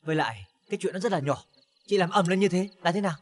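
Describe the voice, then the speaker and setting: Young husband snapping back fast, high-ish voice. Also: male voice, lively intonation. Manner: argumentative, quick retorts. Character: young husband, easygoing and defensive. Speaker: son in a TV drama.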